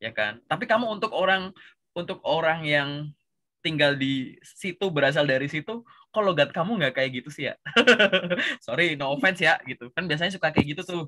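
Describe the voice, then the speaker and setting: A man with a Javanese accent giving a relaxed, chatty coaching session and tagging his sentences with filler words. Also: on the high side, normal speed. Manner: relaxed, chatty, says "gitu" constantly. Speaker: career coach.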